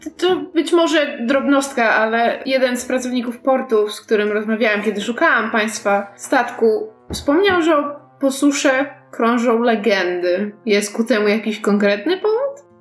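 Female rpg player, fairly high voice, improvised in-character talk, roomy, faint music. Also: animated, unhurried. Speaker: tabletop game player.

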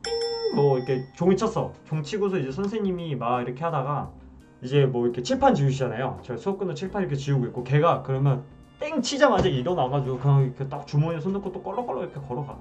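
A man's voice: a little high, fast. A man in his twenties from South Korea, casually telling a story to camera and acting out the scenes. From Wonju, South Korea. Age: 20s. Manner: animated, acts out scenes. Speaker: vlogger. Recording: dull sound, slightly distant, music behind.

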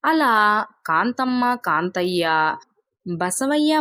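A woman storyteller reading a scripted moral tale as narrator. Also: medium pitch.

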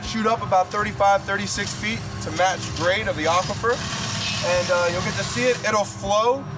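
High-voiced man explaining outdoors, distant mic. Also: steady tone, normal speed, background noise. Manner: matter-of-fact, explaining with hand gestures. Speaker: site guide at a fish farm. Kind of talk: casual technical site tour talk. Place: outdoors at a construction site. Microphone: far camera mic. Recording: distant outdoor audio under music. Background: background music.

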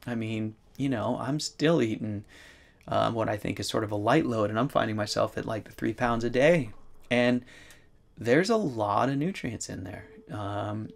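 A man's voice: mid-range voice, creaky. A man in his forties talking casually to the camera from a wooden room, rambling and thinking aloud with many asides. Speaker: vlogger. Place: wooden room by a large window.

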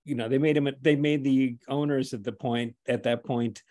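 An older man on a video call from a room at home, his voice at an ordinary middle pitch. He chats easily, winding through long questions with plenty of yeahs. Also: fairly even intonation, moderate pace, warm tone. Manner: chatty, asks long rambling questions, frequent affirming. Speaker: interviewer. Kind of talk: conversational interview over video call.

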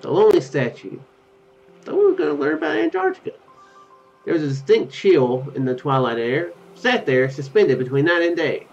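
Fairly high-pitched and very animated, the young man speaks at normal speed with a creaky, slightly mellow voice. He's streaming a game, reading its text aloud and rambling into jokes in casual let's play commentary. The recording is a dull lo-fi home mic in a small indoor room, with game music behind.

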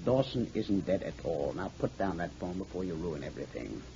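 An actor playing a gruff, threatening, exasperated doctor in a 1940s radio detective drama. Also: male voice, deep voice, animated, brisk. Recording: very noisy, dull 1940s radio recording.

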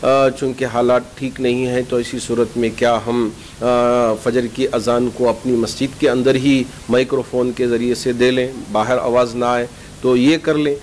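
Middle-aged male cleric, mid-pitched, measured formal statement with pauses, indoor recording with noise. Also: little pitch movement, a little mellow. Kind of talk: spoken public statement to camera. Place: small indoor office lined with bookshelves. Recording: clear background noise, low rumble.

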